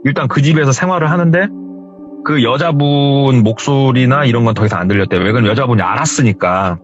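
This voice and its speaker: A man's voice: medium pitch, fairly quick, soft background music. A man casually retelling a true horror story he heard from someone, slightly muffled. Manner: lively, retelling hearsay.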